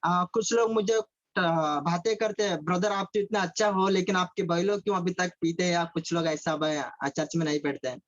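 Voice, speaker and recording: A man's voice: high-pitched, fairly even intonation, normal speed. A man preaching a sermon over a video call, repeating phrases, asking his listeners questions and mixing in English words. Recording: dull lo-fi call audio.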